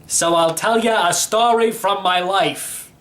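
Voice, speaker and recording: A man's voice: sits high, unhurried, a bit bright, voice pushed up. A man voicing a breezy, cocksure, eccentric great-uncle over a hundred years old in a children's audiobook, folksy and offhand. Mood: easygoing, folksy. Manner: folksy, offhand, stubbornly sure of himself.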